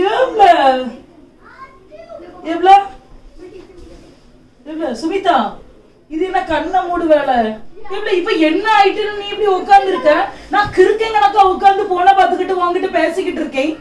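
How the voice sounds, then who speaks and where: A woman playing a tired, teasing husband with a Tirunelveli Tamil accent, pleading again and again with his wife in an amateur family skit. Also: very high voice. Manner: pleading, repeats his question over and over. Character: weary teasing husband, middle-aged man. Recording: echoey room, mic far off.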